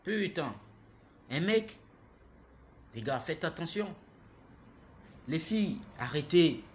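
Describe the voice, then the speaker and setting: A man, giving an impassioned, preachy monologue that keeps turning to the listener with "hein?" and grows loud and heated. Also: on the high side, big pitch swings, slow. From Gabon. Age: 30s. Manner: preachy, repeats himself, asks listeners "hein?". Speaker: vlogger.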